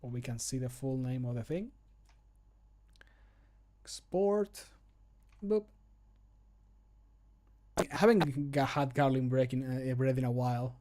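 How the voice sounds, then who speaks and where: A man in his thirties, a streamer and game modder, chats jokily on a livestream as he works at his home desk, close to the desk microphone. His mid-range, darkish voice is unhurried with frequent pauses, and he sometimes mutters to himself and swears.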